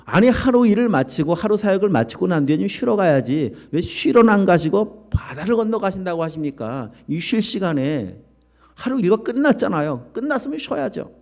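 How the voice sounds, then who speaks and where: A man's voice: high-pitched, steady tone, moderate pace, mellow, voice pushed up. A man acting whiny, fed-up disciples. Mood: complaining. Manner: whiny, complaining. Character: grumbling disciples, men, weary and annoyed.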